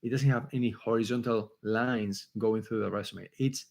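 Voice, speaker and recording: A man's voice: fairly low pitch, steady tone, moderate pace, creaky, a little mellow. A man with an Argentine Spanish accent, a career coach giving an online resume workshop, emphatic, repeating his points and checking in with "okay?" and "right?".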